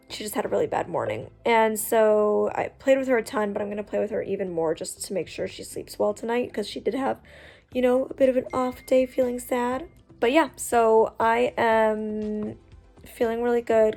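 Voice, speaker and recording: A woman's voice: a little high, gravelly, a little mellow. A woman in her twenties, from Canada, chatting casually in a vlog, full of "like" and "um" fillers. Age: 20s. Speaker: vlogger. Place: at home, then a furniture store.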